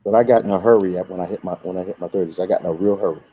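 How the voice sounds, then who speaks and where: An older man, a bishop, telling personal reflections conversationally in a measured, emphatic way. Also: deep voice, warm tone, breathy edge, low-quality recording. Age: middle-aged or older. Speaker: bishop, guest.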